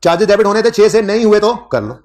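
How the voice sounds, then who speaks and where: A man's voice: high voice, expressive, quick pace, a little mellow. Teasing man lecturing a class. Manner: conversational, teasing students, repeats key points. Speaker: accounting lecturer.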